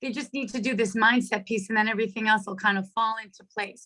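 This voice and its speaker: Speaking with an American accent, a woman shows ordinary pitch variation. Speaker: lifestyle coach. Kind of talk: workshop talk. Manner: casual, with many fillers.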